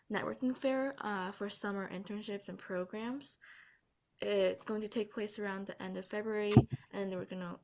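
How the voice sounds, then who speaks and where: Soft-spoken hesitant teenage girl. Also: medium pitch. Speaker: student co-founder. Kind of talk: casual introduction. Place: home, early morning.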